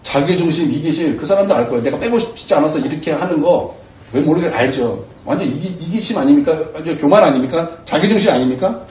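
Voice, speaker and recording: Animated pastor preaching in a roomy hall. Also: male voice, a little high, quick pace, distant mic, slight background noise. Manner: animated storyteller, acts out quoted exchanges, asks rhetorical questions. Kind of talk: sermon with storytelling. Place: church sanctuary. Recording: roomy church hall, voice off-mic at times.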